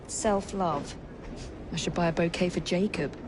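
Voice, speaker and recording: A woman's voice: fairly low pitch, a little slow, background noise, natural voice. An actress playing a witty, self-assured young woman who speaks in a dry, teasing way. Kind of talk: video game cutscene acting.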